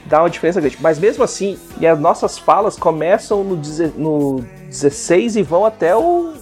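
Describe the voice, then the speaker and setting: Lively, slangy Brazilian man on a podcast. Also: a little high, moderate pace, faint music behind. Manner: jokey, slangy, often laughing. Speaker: podcast co-host. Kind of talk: casual chat, reading listener comments.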